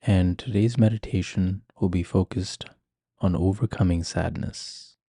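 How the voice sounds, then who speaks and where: A man leading a guided meditation in a calm, gentle, measured manner. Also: low-pitched, breathy edge, dry recording, clean studio sound. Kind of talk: guided meditation, ASMR-like instruction.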